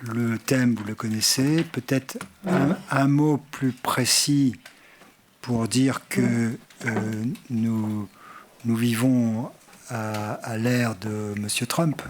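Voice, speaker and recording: A man moderating a conference panel discussion, speaking haltingly with many fillers and restarts. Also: medium pitch, steady tone, a little hiss or hum. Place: conference hall stage.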